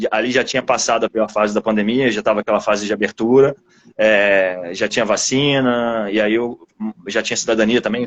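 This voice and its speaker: A man with a Brazilian Portuguese accent speaking casually as an interviewed author, telling personal experiences in a reflective, halting, rambling way. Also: medium pitch, dull audio.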